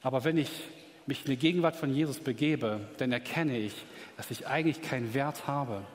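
A man preaching a sermon with emphatic, rising delivery that swings between quiet stretches and excited peaks. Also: mid-range voice, a little fast. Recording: reverberant hall.

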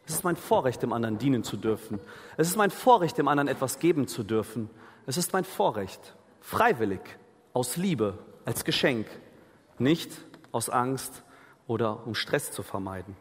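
A man's voice: medium pitch, very animated, normal speed, husky. Man preaching in an echoing hall. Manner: earnest, conversational preaching with questions to the listeners. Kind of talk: sermon. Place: free church hall.

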